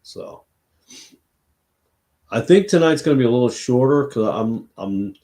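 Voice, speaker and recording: A man's voice: mid-range voice, lively intonation, measured pace, mellow. A man hosting a late-night Christian livestream, congested and tired, rambling with many fillers and restarts.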